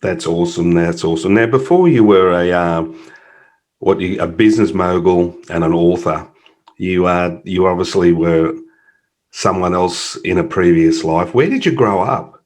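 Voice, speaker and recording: Deep-voiced chatty male podcast host. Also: normal speed, darkish tone. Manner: chatty, jokey, enthusiastic. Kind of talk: casual interview chat. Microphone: video call.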